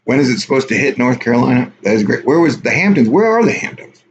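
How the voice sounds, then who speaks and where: Very animated and quick, a man with a medium-pitched voice hosts a casual live stream, rambling offhand and reading viewer chat out loud. The stream audio is dull and lo-fi, with a faint hiss.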